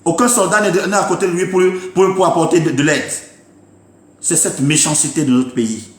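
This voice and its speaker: Fairly high in pitch, with fairly even intonation and a moderate pace, this man gives a heated political live-stream rant. He lectures his listeners forcefully, repeating himself, and the audio is reverberant.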